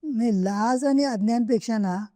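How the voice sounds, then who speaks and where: A woman's voice: a little high, normal speed, warm tone, no echo. A middle-aged woman author answering interview questions, earnest and emphatic, often repeating her points for stress. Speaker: guest author. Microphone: podcast microphone.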